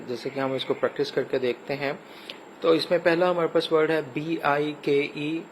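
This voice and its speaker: Pakistani man spelling words out slowly. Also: on the high side, a little hiss or hum, poor audio. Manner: explains step by step with frequent hesitations, spells words letter by letter. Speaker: English teacher. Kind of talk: recorded classroom lecture.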